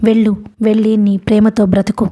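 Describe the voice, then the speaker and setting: A woman's voice: mid-range voice, little pitch movement, fairly quick, mellow, close to an everyday voice. A woman voicing a harsh, commanding rich father. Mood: stern. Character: stern proud wealthy father, man.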